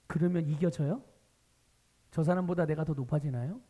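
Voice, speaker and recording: A male pastor preaching a Sunday sermon, animated, asking the congregation rhetorical questions. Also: a little high, moderate pace, in a large hall. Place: church sanctuary.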